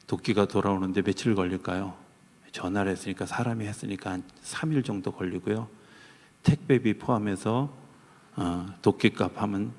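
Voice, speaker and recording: A man's voice: fairly low pitch, a little mellow. A man, a pastor, preaching a sermon with humorous storytelling that rises to fervent emphasis. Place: church sanctuary. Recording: church hall reverb.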